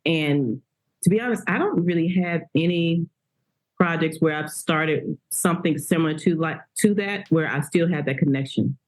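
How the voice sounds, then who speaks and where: A woman guest on a podcast, telling stories in an animated, laughing way. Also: deep voice, normal speed, poor audio. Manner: animated storytelling, frequent laughter. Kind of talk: casual conversation.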